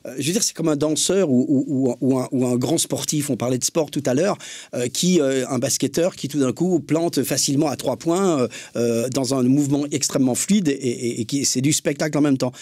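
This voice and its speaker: A man's voice: medium pitch, brisk, mellow, dry recording, studio quality. A man taking part in a casual panel discussion, making his points emphatically and repeating key phrases.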